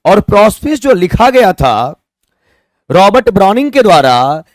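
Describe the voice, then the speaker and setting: A man's voice: high-pitched, very animated, unhurried, dry recording, studio quality. A man with an Indian accent teaching an online exam-prep English class, mixing Hindi and English, spelling words out letter by letter and asking viewers to comment their answers. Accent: Indian, Hindi-speaking.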